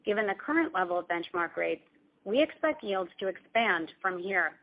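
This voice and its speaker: A woman company executive reading a scripted earnings call presentation in a formal, measured corporate manner. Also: medium pitch, lively intonation. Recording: dull, band-limited conference call audio.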